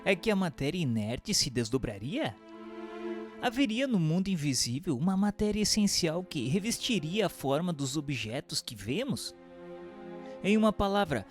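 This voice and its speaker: A man gives a scripted, formal and didactic reading of a book of questions and answers. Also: fairly high pitch. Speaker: narrator. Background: music.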